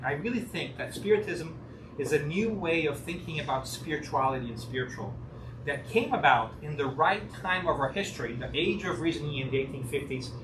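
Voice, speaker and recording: Over music in the background, a man talks at a fairly quick pace with a fairly high pitch and lively intonation. Audible room echo surrounds his voice. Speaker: invited speaker on spirituality. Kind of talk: talk to a study group. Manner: sometimes speeds up.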